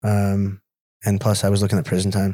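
A man in a Southern California accent, fairly low-pitched with a dark, mellow tone, on a very clean recording with a silent background. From Orange County, California. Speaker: former professional fighter. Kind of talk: casual chat. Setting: studio.

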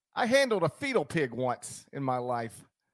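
With a Southern US accent, a man speaks in very wide pitch swings. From US South. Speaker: sports podcast host. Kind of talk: casual chat. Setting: remote recording from home.

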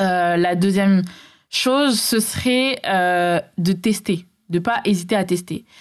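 A woman speaks with ordinary pitch variation. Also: very clean recording, silent background. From Paris suburbs, Seine-Saint-Denis and Val d'Oise. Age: 20s. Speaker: association co-founder and city councillor. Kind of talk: interview. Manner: hesitant with many fillers.

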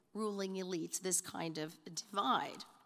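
This is a woman speaking. Her pitch is medium. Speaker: anthropologist panelist. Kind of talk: conference panel talk.

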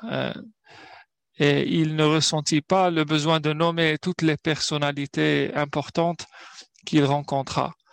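In a dry, close recording with no echo, a man with a non-native accent speaks very slowly in a fairly high, flat monotone, leaving long, frequent pauses. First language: not French (speaking French). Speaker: professor of Islamic studies. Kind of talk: lecture. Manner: halting.

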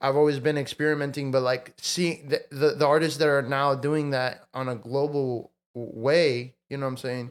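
Delivered at a moderate pace with hardly any pauses, the speech has an American accent and a monotone, flat intonation. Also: man, fairly high pitch for a man. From Mexico, then US. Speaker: music artist. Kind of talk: casual chat.

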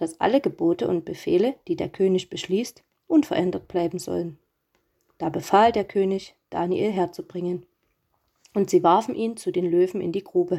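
On a very clean recording with a silent background, a woman speaks at a moderate pace and medium pitch in a dark, mellow tone. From Saxony, near Chemnitz. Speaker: lay scripture reader. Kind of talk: reading aloud.

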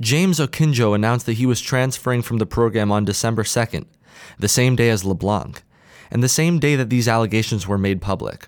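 At a fairly quick pace, a man talks with ordinary pitch variation and very even loudness. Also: medium pitch for a man. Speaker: podcast host. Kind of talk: sports podcast discussion. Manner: animated, joking.

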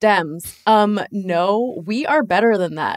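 An unremarkable speaking voice from a woman at medium pitch, with ordinary pitch variation, comes through dry and close with no echo on a very clean recording with a silent background. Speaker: comedian. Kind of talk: casual chat.

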